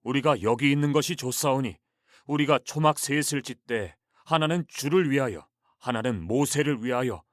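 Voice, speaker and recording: A man's voice: mid-range voice, normal speed, dry recording, lightly acted. A man playing an earnest, dry-voiced disciple. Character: earnest male disciple, Peter. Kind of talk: dramatized scripture reading.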